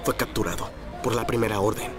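A man's voice: on the low side, steady tone, fast, lightly acted. A man voicing an eager young runaway soldier. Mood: earnest. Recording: game audio with music behind.

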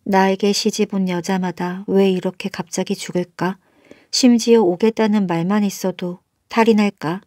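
A woman's voice: mid-range voice, fairly even intonation, moderate pace, darkish tone, dry recording, clean studio sound, natural voice. A woman voicing a lonely, fretful middle-aged male magistrate in a storybook, brooding and earnest. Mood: aggrieved. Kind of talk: storybook narration.

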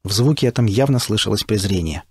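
Gravelly male audiobook narrator. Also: fairly low pitch, fast talker, no room sound, studio quality. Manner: steady storytelling. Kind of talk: first-person audiobook narration.

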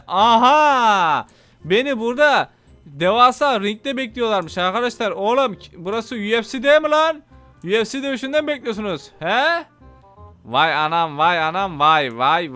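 A man's voice: sits high, sharp tone, clear, resonant tone. A young man giving rowdy, joking commentary on his own gameplay and talking straight to his viewers. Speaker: gameplay video host. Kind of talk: excited gaming commentary.

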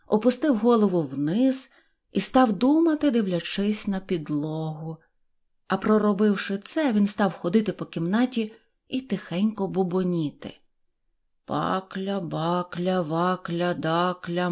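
A woman's voice: medium pitch, animated, normal speed, darkish tone. Woman reading a children's fairy tale. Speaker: audiobook narrator.

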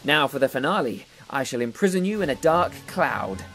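Woman as a boastful young mad scientist, smug, scheming, lively swooping delivery, cartoon toy story, music underneath. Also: rumbling low, pitched below the performer's own voice, exaggerated voice. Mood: gloating. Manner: gloating, boastful, drawn-out cackles. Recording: music behind the voice.

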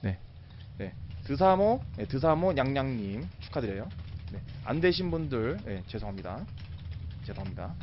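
A man doing casual commentary as a game streamer, excitable and breaking into sudden loud shouts. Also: medium pitch, normal speed, lo-fi sound, a little hiss or hum.

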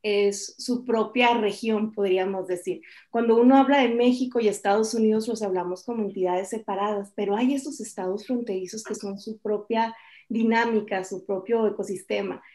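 A woman in her forties, a journalist speaking on a conference panel over a video call, candid and lively with joking asides. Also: medium pitch, normal speed. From Mexico. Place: home office, indoors.

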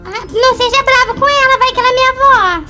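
Man doing Ravena, a squeaky, cutesy girlfriend. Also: quick pace, over loud music. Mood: silly, affectionate. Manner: cutesy, whiny, affectionate. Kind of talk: improvised comic video game role-play.

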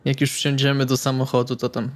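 Man, flat intonation, medium pitch, casual tabletop game banter. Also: brisk.

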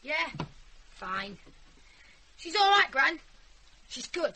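Cheeky teenage girl, very high. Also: sing-song, slow, sharp tone, heavily acted. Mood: sullen, offhand. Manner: cheeky, offhand, defiant. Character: cheeky, rebellious fifteen-year-old village girl. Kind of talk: radio drama acting.

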